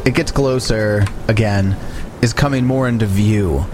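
A man's voice: fairly low pitch, a little slow, noisy background. A man running a tabletop game as game master, narrating scenes and explaining rules.

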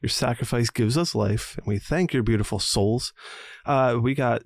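A man's voice: medium pitch, moderate pace, vocal fry, dry recording, studio quality. A man hosting a horror movie podcast in casual chat, reading taglines aloud and laughing often. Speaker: podcast host.

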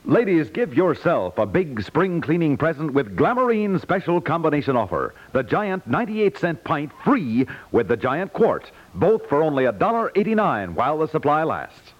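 A man's voice: on the high side, sing-song, moderate pace, few pauses. A man with an American accent announcing and selling in a polished, emphatic 1950s radio commercial style. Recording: muffled 1950s radio recording.

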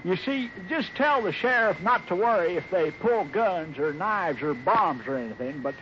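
An actor playing a boastful, bumbling old cowboy sidekick who talks in a folksy, stammering drawl, in a 1950s radio drama. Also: male voice, sits high, animated, moderate pace, fairly bright tone. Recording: dull hissy 1950s radio broadcast.

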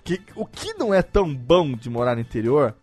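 Apresentador homem, papo casual e enrolado, voz levemente aguda. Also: male voice, a little high, wildly swooping pitch, brisk, darkish tone, faint music behind. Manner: rambling, repeats words, laughs often. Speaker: podcast host. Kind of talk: casual podcast chat.

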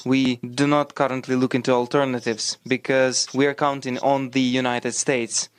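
Man's flat interpreter voice-over, noisy clip. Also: mid-range voice, moderate pace. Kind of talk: translation voice-over of a speech. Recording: noisy clip with clicks, off-mic.

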